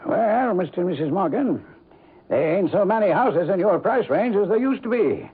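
An actor playing a folksy, sly small-town real estate agent with a New England accent in a radio drama. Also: male voice, high voice, animated, moderate pace, husky, faint music behind, full character voice. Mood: folksy, reluctant. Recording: tinny old radio broadcast.

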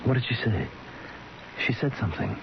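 An actor playing an anxious, devoted husband and father in a 1970s radio drama, with an urgent, halting, pleading manner. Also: mid-range voice, sing-song, creaky. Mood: anxious, puzzled. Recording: muffled, hissy old radio broadcast.

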